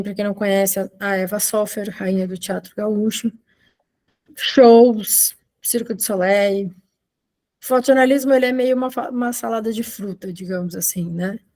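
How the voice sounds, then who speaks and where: A woman from Argentina with a mid-pitched voice gives an informal presentation of her work over a video call. She talks conversationally, stopping and starting and drifting into small asides. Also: darkish tone. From Argentina, living in Brazil. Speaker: photojournalist giving a talk.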